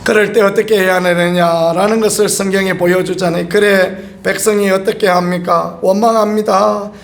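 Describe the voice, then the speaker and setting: Gravelly high-voiced preaching pastor. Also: male voice, fairly even intonation, moderate pace. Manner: preaching with rhetorical questions and emphatic outbursts. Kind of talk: early-morning sermon. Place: church sanctuary.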